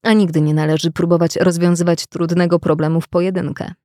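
A woman giving a measured, reflective reading of scripted self-help narration. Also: lowish voice, flat delivery, mellow, no echo, clean studio sound.

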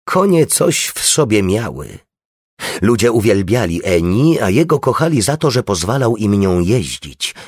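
A man narrating an audiobook in a slow, measured reading voice, with a slightly husky tone. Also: lowish voice, sing-song, a little mellow, no room sound, studio quality.

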